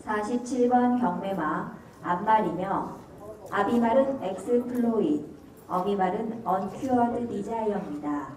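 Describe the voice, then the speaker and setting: A woman's voice: medium pitch, unhurried, a little mellow. Echoey female announcer reading auction lots. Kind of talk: formal scripted announcement of lot details. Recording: echoey venue, distant mic, crowd behind.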